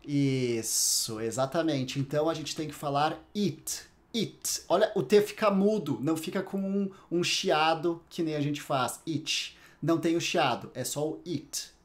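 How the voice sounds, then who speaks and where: A Brazilian man teaching a private English lesson, patiently explaining pronunciation and repeating English words slowly to demonstrate the sounds. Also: a little high. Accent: Brazilian Portuguese.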